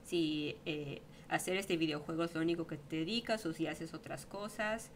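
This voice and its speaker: A woman's voice: low-pitched, steady tone, normal speed, a little hiss or hum. Chatty young woman streamer, lots of laughs. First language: Spanish. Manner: chatty, laughs often, many fillers like "¿no?". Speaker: streamer hosting an interview. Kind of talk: casual interview on a livestream. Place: small room at home. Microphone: headset.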